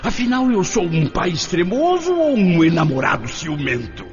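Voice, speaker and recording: A man's voice: sits high, very animated, moderate pace. An actor in a radio drama playing a tormented middle-aged father, anguished and self-questioning, torn by jealous desire. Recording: dull audio with music behind.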